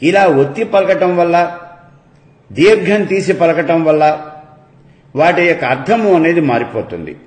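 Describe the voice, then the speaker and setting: Male lecturer, unhurried and careful, lively rising and falling pitch, roomy reverb on the voice. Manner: measured, deliberate, stretches example syllables. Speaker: lecturer on Vedic chanting. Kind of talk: slow explanatory lecture.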